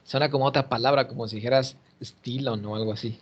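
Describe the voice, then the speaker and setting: A man teaches a private English lesson, patiently spelling out pronunciation rules. His mid-pitched voice comes through a dull, muffled video-call line. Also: fairly even intonation, breathy edge. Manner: patient, explanatory, models pronunciation slowly. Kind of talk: one-on-one online English lesson.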